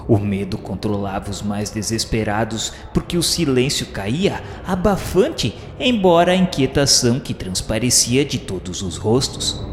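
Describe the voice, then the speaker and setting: Solemn male narrator in deep reverb. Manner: formal, solemn, literary. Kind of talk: scripted radio drama narration. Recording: very echoey, long reverb, music behind.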